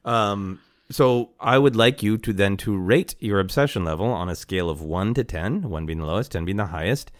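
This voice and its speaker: A man with a deep voice hosts a casual podcast. He is wry and playful in an easy conversational way. The sound is dry and close. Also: normal speed, hardly any pauses, dry recording. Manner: chuckles often, wry and playful. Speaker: podcast host.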